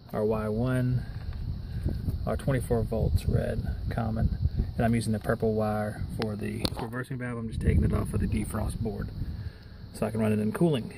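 A young adult man narrates a service call in a matter-of-fact way, talking through each step as he works. He records outdoors next to a running unit, so a steady machine hum sits under his voice. His voice sits in an ordinary middle pitch. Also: creaky. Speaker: HVAC technician. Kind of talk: on-the-job how-to narration. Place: outdoors beside a rooftop-style AC unit in a yard. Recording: outdoor camera audio with machine noise.

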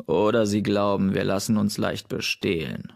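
A man voicing a gruff male warrior cat who snaps and snarls in an audiobook. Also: fairly low pitch, fairly even intonation, normal speed. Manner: snarling, snappish.

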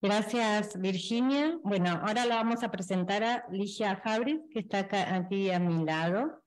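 A woman's voice: medium pitch, moderate pace. A woman moderating a panel, formally introducing a speaker into a table microphone, partly reading. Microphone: gooseneck table microphone.

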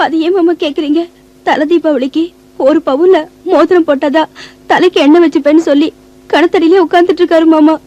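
A tearful young wife, complaining and pleading with her relatives. Her voice sits high. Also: steady tone, a little fast, dark tone, lo-fi sound. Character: tearful young married woman.

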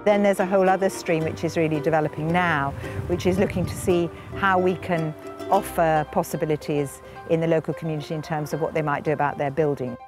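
Low-voiced woman, earnest interview. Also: steady tone, fairly quick. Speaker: charity organiser. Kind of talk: documentary interview. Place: outdoors at a wind farm. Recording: music bed underneath.

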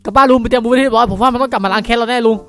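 A man improvising dramatic game roleplay, excitable, repeating words rapidly and shouting warnings. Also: very high voice. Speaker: player acting in a Minecraft roleplay cartoon. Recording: loud background music. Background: music.

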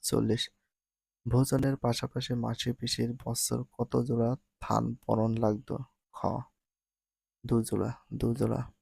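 A man's voice: mid-range voice, level tone, vocal fry, a little mellow, breathy edge, no echo. A man reading out multiple-choice questions and answers as a teacher, repeating each answer plainly. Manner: reads each answer twice, slowly and plainly.

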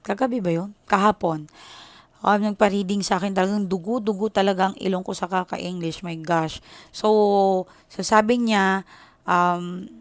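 A woman's voice: mid-range voice, steady tone, normal speed, no echo. Chatty Filipina woman reading tarot. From Philippines. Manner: chatty, switches into English, frequent "okay?". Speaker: tarot reader. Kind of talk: casual tarot reading chat.

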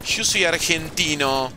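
A Venezuelan man streaming a game live, chatting with viewers and reacting in quick bursts. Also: fairly high pitch, a little hiss or hum. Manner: lively, banters with chat, talks fast in bursts. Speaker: gaming streamer. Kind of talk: live gameplay commentary reading chat.

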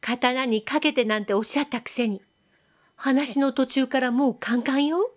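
Brief: coy young girl with a soft nasal lilt, pitched high, as a woman reader puts her on. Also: moderate pace, lightly acted. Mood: teasing, lively. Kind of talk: audiobook reading.

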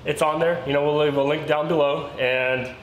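A man in his thirties hosts a car rebuild vlog from an indoor garage workshop, chatting casually to viewers in informal, colloquial language. His fairly high voice has fairly even intonation at normal speed, and the recording carries roomy echo and faint background noise.

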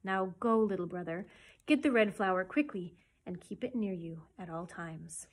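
A woman voicing a wise, protective male black panther from a storybook, speaking gently and earnestly with emphasis. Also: medium pitch, lively intonation, moderate pace, breathy edge. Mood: eager, urging.

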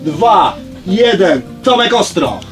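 A man directing actors in a recording studio, briskly counting in takes and joking. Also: sits high, big pitch swings, soft background music. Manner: brisk, joking, giving cues. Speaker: audiobook director. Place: studio control room.

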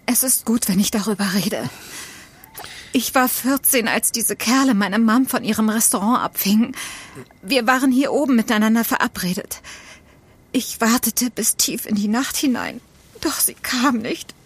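A woman's voice: on the high side, normal speed, breathy edge. An actress playing a tender, easily frightened young woman in a German horror audio drama, with emotional, dramatic delivery. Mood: sad, confiding. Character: frightened, tender young woman Mary, grieving her mother.

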